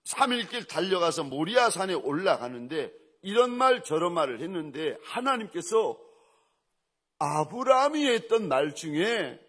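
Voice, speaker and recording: A man's voice: sits high, big pitch swings, moderate pace, fairly bright tone, breathy edge. A man preaching a sermon as pastor, telling stories animatedly, acting out quoted dialogue and building emphatic repeated lists. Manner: emphatic repetition in rising lists.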